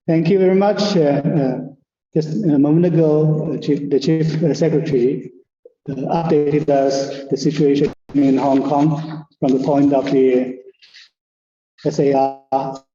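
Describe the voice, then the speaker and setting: A man moderating a panel, halting and filler-heavy, with a very dark, mellow tone and a slightly raised pitch. His voice comes through an echoey room on a dull, hissy feed. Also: fairly even intonation. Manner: hesitant, many fillers. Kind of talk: introducing speakers. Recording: echoey muffled remote feed with hiss.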